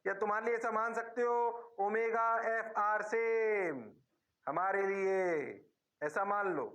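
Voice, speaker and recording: A man with an Indian accent teaches physics in a classroom lecture, his voice high, slightly bright, and fairly even. He takes it slowly, drawing out his words and playfully answering himself as if he were the students.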